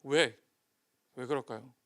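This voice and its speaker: A man's voice: medium pitch, takes it slowly, fairly bright tone. A male pastor preaching a sermon, putting questions to the congregation and answering them himself.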